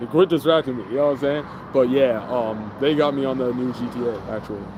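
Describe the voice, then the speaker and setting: There is noticeable background noise behind a man. He talks at a very fast pace with ordinary pitch variation. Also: medium pitch for a man. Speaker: livestreamer. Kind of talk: live stream chat with viewers. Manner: halting, many fillers and restarts; mumbling.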